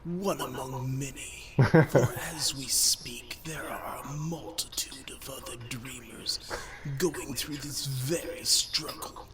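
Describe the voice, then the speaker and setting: Man acting a slow, echoey evil talking skull. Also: medium pitch, close to an everyday voice. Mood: smug sarcasm. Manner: theatrical, sneering, drawn-out monologue delivery. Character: evil talking skull, pompous, gloating villain. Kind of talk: villain monologue in a video game. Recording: echoey, distant, crowd-like noise behind.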